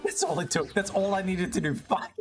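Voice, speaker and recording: A game streamer chats casually with viewers, the voice jumping around a lot as it breaks into frustrated yelps and swearing. Soft game music runs underneath. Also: medium pitch. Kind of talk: casual gameplay commentary.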